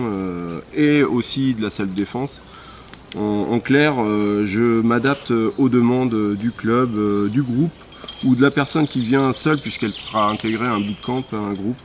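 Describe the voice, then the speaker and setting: Low-voiced man, hesitant with fillers. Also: slight background noise. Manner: hesitant, many "euh" fillers. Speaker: volunteer sports association president. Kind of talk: casual interview answers. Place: outdoors at a rural hamlet.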